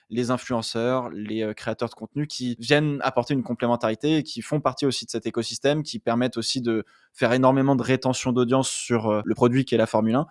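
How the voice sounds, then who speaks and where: A man in his late twenties, a content creator answering interview questions in a relaxed, thoughtful way, with many fillers and restarts. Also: mid-range voice, no room sound, clean studio sound. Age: late 20s. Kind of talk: casual interview talk.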